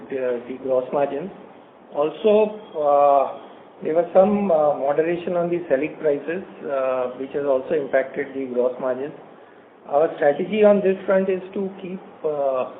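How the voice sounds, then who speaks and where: Indian executive on a noisy phone line. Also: male voice, a little high. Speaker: company executive on an earnings call. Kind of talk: prepared business remarks and investor answers. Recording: phone-like conference line with faint noise.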